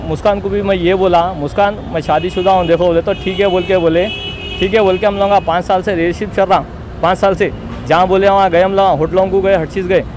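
A man's voice: sits high, darkish tone, poor audio. A young man with a Hyderabadi accent giving an insistent, repetitive, self-justifying statement to reporters outdoors. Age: young adult. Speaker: interviewee giving a statement to local news. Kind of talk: spoken personal testimony to reporters. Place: outdoors beside a street wall. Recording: outdoor street noise behind.

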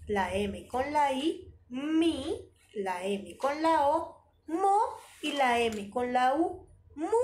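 Sing-song woman, lively preschool teacher. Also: fairly high pitch, slight background noise. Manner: sing-song, exaggerated, encouraging. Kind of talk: online preschool lesson.

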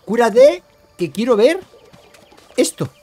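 Young guy streaming a game, high voice, talks at the bugs, faint music behind. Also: slow. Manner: excitable, talks to himself and the creatures. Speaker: gaming streamer. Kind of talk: live gameplay commentary.

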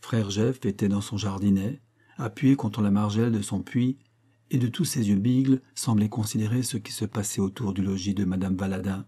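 Low warm husky guy reading an audiobook, measured storyteller. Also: steady tone. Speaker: audiobook narrator. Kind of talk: scripted narration.

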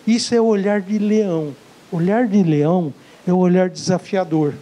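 A man's voice: sits high, fairly even intonation, moderate pace, mellow, rough recording. A man with a Brazilian Portuguese accent giving a live sales-coaching lecture to an audience, emphatic and repetitive, acting out short dialogues. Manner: emphatic, repeats key words, acts out dialogues.

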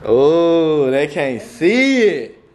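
A man's voice: on the high side, very animated, extremely slow. A young man hosting his vlog in casual, slangy chat, talking straight to his viewers. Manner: laid-back slangy chatter, calls viewers "y'all". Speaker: YouTuber host.

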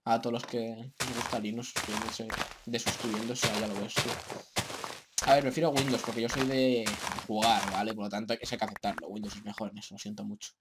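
A young man from chats in a loose, rambling way as he plays at home, his voice slightly hoarse from a sore throat. He keeps clearing his throat, and the desk mic recording sits over a loud, steady background hiss. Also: lowish voice, a little fast. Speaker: gaming YouTuber. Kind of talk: casual gameplay commentary.

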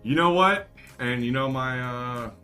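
An older man chatting on a podcast, a long-winded and animated storyteller who breaks into loud outbursts. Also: mid-range voice, measured pace, soft background music. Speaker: podcast guest. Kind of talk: casual podcast chat.

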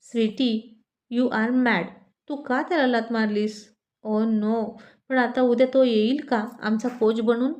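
An anxious young woman scolds herself and worries aloud in a storybook tale, as a woman narrator voices her. The voice is fairly high and fretful. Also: steady tone, slow, a little mellow.

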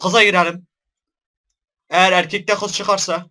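Jumpy, high-voiced young man gaming. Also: little pitch movement, measured pace. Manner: jumpy, shouts in fright then jokes. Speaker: gaming YouTuber. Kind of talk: horror game let's play commentary.

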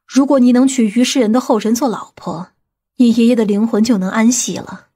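A woman playing a stern, authoritative aunt in an audiobook, speaking in a firm, measured, commanding manner. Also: fairly high pitch, fairly even intonation, mellow, breathy edge. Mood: stern, insistent. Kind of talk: audiobook character acting.

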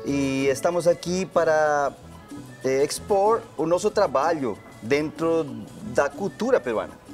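A man's voice: fairly high pitch, animated, a little slow, soft background music. A middle-aged man from Peru who speaks Spanish natively, talking with a Peruvian Spanish accent as a restaurant guest in a TV studio, polite and hesitant with many fillers. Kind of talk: studio interview. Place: bright TV studio. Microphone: handheld microphone.

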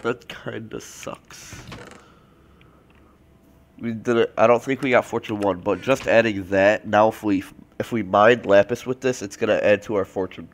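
A man's voice: lowish voice, steady tone, a little slow. A young man with a congested, stuffy nose from a cold, hosting a casual gameplay video with rambling, filler-heavy commentary. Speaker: let's play host.

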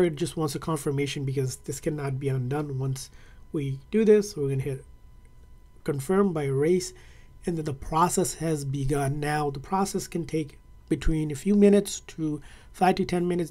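Male tech host, relaxed mellow voice, easygoing tutorial narration at a desk. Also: fairly high pitch, moderate pace. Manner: casual, friendly, with fillers. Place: indoor desk setup, hands on tablet.

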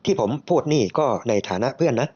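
A man voicing an excitable businessman partner who exclaims eagerly as he talks. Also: medium pitch, quick pace, lo-fi sound, voice pushed up, natural voice.

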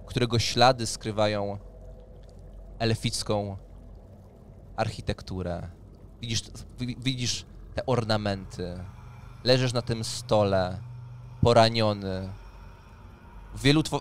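A man in his thirties acting as game master, explaining rules and narrating a tabletop role-playing scene. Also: on the low side. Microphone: studio microphone on a boom arm. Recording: clear background noise.

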